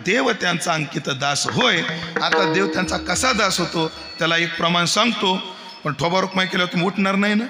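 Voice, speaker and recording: Kirtan preacher, man, Marathi accent, high ringing voice, booming echo of a large hall with music behind. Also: brisk. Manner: jokes with the crowd, breaks into loud chanted verse. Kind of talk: devotional kirtan sermon with sung verses.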